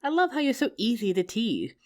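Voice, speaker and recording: Woman acting an expressive, loving, teasing wife. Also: a little high, a little fast. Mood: playful, contented. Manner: affectionate, playful, expressive. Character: loving, teasing working wife, tired after work. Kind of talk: intimate roleplay audio addressed to listener.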